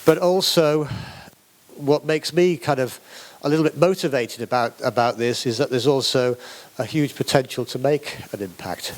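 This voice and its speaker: A man's voice: medium pitch, normal speed. A middle-aged British man from the UK giving a public talk as an academic speaker, with many fillers and restarts. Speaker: academic speaker on wood construction.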